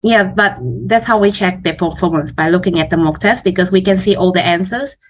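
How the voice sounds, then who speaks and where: A woman with a fairly low voice talks as a teacher answering questions. Her delivery is informal and explanatory, with halting phrases and words often said twice before she carries on. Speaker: exam prep teacher, interview guest.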